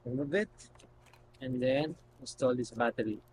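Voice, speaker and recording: A man hosting a casual unboxing video, talking haltingly as he thinks aloud while handling things. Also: mid-range voice, background noise. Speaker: video host.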